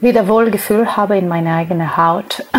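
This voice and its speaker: A woman speaks in a medium pitch. Her intonation is fairly even. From Ukraine, then Israel from age 13. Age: 30s. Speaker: cantor and singer. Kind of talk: casual interview chat.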